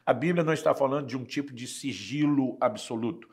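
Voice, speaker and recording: A middle-aged man with a Brazilian Portuguese accent, a pastor giving an earnest, measured teaching sermon mixed with personal testimony. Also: mid-range voice, darkish tone, husky.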